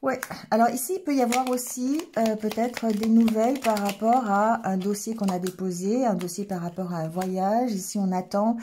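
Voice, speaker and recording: A hoarse woman giving a tarot reading to her viewers, hesitant, with many fillers and restarts, clearing her throat often and checking in with the listener. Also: medium pitch, fairly even intonation, moderate pace, few pauses, warm tone, slight background noise. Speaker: tarot card reader.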